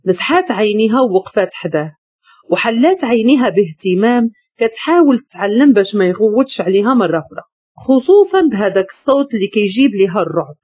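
A woman with a Moroccan Arabic accent narrating a dramatic story in an expressive, emotional way. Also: mid-range voice, quick pace, breathy edge, no room sound.

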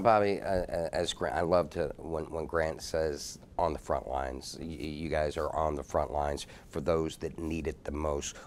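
Man, older, TV host, deep voice, hesitant questions, faint background hum, lapel mic. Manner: hesitant, repeats words when asking. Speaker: TV show host. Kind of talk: casual TV studio interview. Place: TV studio set.

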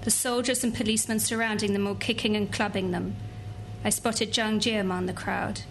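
A young woman reads literary prose aloud in a calm, even voice at a table mic. A faint low rumble sits under the reading at a bookshop event. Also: a little fast, low-quality recording. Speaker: translator reading extracts.

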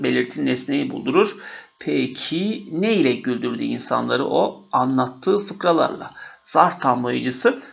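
A man's voice: on the high side, gravelly, a bit bright. A man teaching a grammar lesson for exam preparation, patiently asking questions and answering them himself. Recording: dull lo-fi recording.

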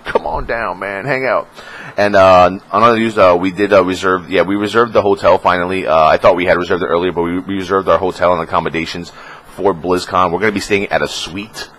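A young male streamer chats casually on his vlog in a steady, fairly bright voice at a fairly quick pace. He rambles with plenty of fillers, swears, and mocks trolls with squeaky voices. The recording quality is low.

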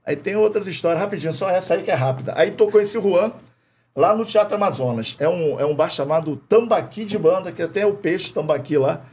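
A middle-aged man from Rio de Janeiro with a Carioca accent, telling animated anecdotes full of slang, swearing and laughter as a podcast guest. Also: high voice, brisk, husky. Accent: Carioca Portuguese. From Rio de Janeiro, Brazil. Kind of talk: casual chat, storytelling. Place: podcast studio.

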